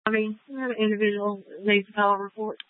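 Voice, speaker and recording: A woman's voice: mid-range voice, steady tone, very fast, a little hiss or hum. A woman police dispatcher speaking in clipped radio codes over a police radio transmission. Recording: tinny radio channel, dry.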